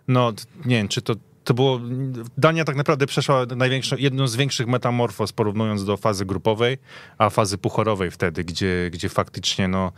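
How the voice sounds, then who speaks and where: Male sports podcast guest, low register, casual storytelling, close dry recording. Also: fairly bright tone, no echo. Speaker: radio podcast guest commentator. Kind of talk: casual football discussion.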